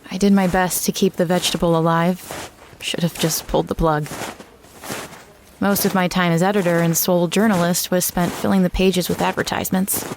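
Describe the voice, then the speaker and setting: A woman's voice: on the low side, vocal fry, noisy background. A woman playing a weary, regretful former small-town journalist, narrating a first-person horror audio drama in a somber, reflective way. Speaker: narrator and protagonist. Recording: music bed under voice.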